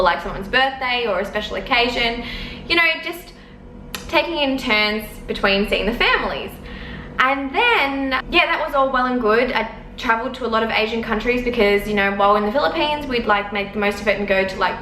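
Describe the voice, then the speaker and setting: A young Australian vlogger with a bright, somewhat high voice tells a story casually to camera from her lounge room at home, her eyes sore from smoke. She rambles and chats with plenty of fillers and apologies, and the echoey room carries faint background noise.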